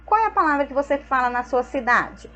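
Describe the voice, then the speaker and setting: A woman's voice: sits high, expressive, sharp tone, dull audio, soft background music. Patient Brazilian woman teacher. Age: young adult. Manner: slow, patient explaining with frequent checks like "ok?". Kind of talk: recorded school lesson.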